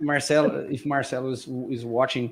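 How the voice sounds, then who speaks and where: A man speaks with a Brazilian accent at a moderate pace. His intonation is fairly even. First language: Portuguese. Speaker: management consultant and coach. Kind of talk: casual podcast chat in second language. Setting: live online stream. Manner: halting.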